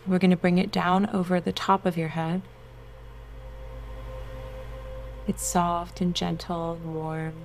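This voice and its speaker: Low, creaky woman leading slow guided meditation. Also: level tone, slight background noise. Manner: unhurried, gently instructing.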